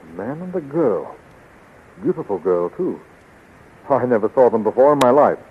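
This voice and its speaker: A man's voice: medium pitch, very animated, normal speed, narrow, tinny audio, natural voice. A man playing a brave young space adventurer, earnest and melodramatic, in a 1930s radio serial. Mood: confused. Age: young adult. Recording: thin, noisy 1930s radio recording.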